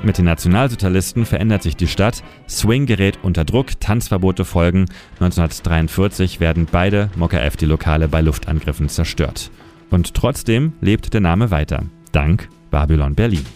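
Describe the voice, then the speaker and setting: A man reading a scripted history feature in a measured storytelling manner. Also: low-pitched, darkish tone. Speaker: narrator. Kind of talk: scripted documentary narration. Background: music.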